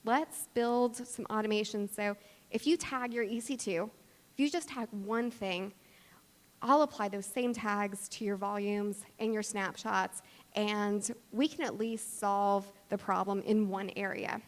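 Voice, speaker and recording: A woman's voice: medium pitch, fairly even intonation, measured pace. A woman giving an explanatory conference presentation as a practitioner speaking to an audience. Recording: long hall reverb.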